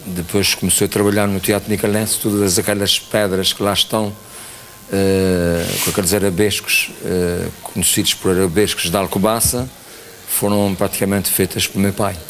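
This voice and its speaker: A man's voice: low-pitched, flat delivery, normal speed, slight background noise. A man in his sixties from São in the Azores, telling his life story plainly as a TV interview guest. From São Miguel, Azores. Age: 60s. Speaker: guest, retired army major.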